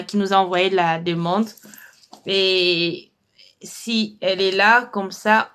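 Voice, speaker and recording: A woman's voice: medium pitch, pushed and bright. A woman informally hosting a live online Christian show, with hesitant, repetitive phrasing. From lives in Belgium. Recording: clear background noise.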